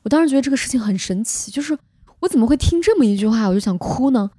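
A young woman hosts a podcast and tells a personal story in an earnest, heartfelt way. Her voice has a mellow, soft tone at a middle pitch. It sounds close and dry, with almost no room echo. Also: animated, rapid-fire. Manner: earnest, emotional retelling with vivid detail. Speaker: podcast host. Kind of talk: casual storytelling chat.

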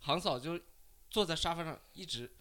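A male guest telling a personal story in casual chat, halting and restarting as he goes. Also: on the high side, pushed and bright.

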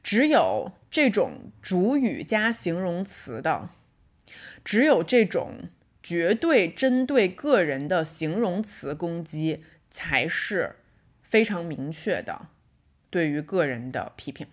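A woman in her thirties hosting a casual solo podcast. She tells a story in a reflective way and slows down to stress her points. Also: fairly low pitch, big pitch swings. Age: 30s. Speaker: podcast host.

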